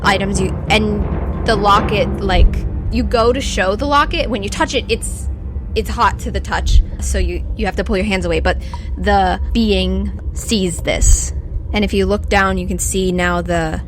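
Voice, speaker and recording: Conversational woman game master over light music. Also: mid-range voice. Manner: conversational, halting, rephrases as she describes. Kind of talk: improvised tabletop game narration. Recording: music behind the voice.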